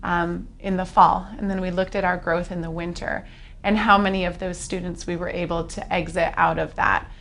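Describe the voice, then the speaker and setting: A woman explains school results in a drawn-out way. Her voice is lowish and stays fairly flat. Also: vocal fry. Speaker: school staff member. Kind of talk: interview answer.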